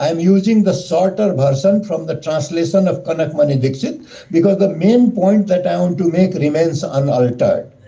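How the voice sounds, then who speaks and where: Amid noticeable background noise and audible room echo, a man speaks in a high pitch at a moderate pace with ordinary pitch variation and hardly any pauses. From Nepal, Madhes region. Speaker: columnist and lecturer. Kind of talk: lecture. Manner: formal, reading from text.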